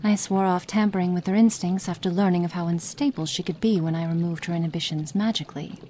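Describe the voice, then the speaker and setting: A woman voicing a cold, impatient female witch experimenter in an ASMR roleplay, speaking softly and partly in whispers, haughty and condescending. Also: lowish voice, steady tone, quick pace, a little hiss or hum, close to an everyday voice. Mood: musing. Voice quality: soft, partly whispered delivery.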